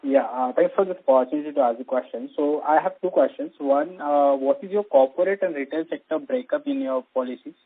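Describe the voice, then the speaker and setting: A man's voice: on the high side, expressive, a little fast, vocal fry, hardly any pauses, breathy edge. A man calling in as an analyst to ask questions on an earnings call. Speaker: analyst caller. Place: conference phone call. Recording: muddy narrow phone line.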